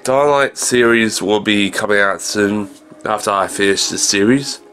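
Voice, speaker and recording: A man in his thirties with a creaky, gravelly voice, rambling casually in a low-key video diary, recorded indoors on a handheld camera at arm's length. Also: unhurried, a bit bright. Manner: low-key, meandering, jumps between everyday subjects. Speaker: vlogger. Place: small room indoors.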